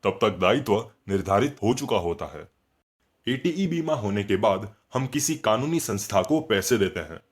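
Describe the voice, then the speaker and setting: Male corporate voice-over, slightly husky tone, measured and explanatory scripted read. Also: fairly low pitch. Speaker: voice-over narrator.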